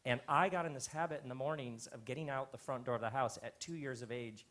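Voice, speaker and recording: A man hosting a live stage talk, a reflective storyteller who drops soft on his key lines. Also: mid-range voice, fast. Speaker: host. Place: live theater stage before an audience.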